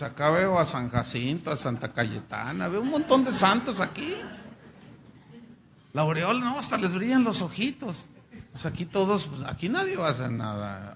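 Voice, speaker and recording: A man's voice: fairly high pitch, fairly bright tone, a little hiss or hum. A man in his fifties, a pastor, preaching a conversational sermon in a church full of rhetorical questions.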